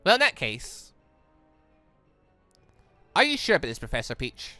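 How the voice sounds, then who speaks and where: Thinking aloud, a let's play host wanders through casual remarks and visual novel dialogue, repeating and rephrasing as he goes. His mid-range voice swings hugely in pitch at an unhurried pace, with no echo and game music in the background.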